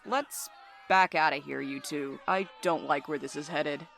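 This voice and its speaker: A woman's voice: low-pitched, a little slow, creaky, fairly bright tone, faint music behind, a faint crowd, heavily acted. A woman playing a blunt, sarcastic courier in an audio drama, with a dry manner. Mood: wry, guarded. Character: sardonic, blunt, foul-mouthed courier.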